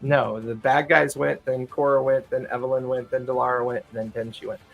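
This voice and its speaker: A man of medium pitch acts as game master, improvising narration for a tabletop game in casual speech. Faint music sits behind him. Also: little pitch movement, brisk, creaky, narrow, tinny audio.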